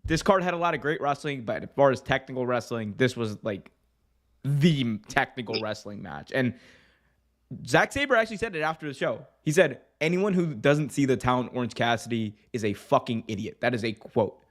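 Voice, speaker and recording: A man co-hosting a wrestling podcast in a loose, animated way, tossing in quick mocking impressions. His voice sits at an ordinary middle pitch and sounds slightly strained. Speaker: podcast co-host. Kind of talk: casual wrestling chat.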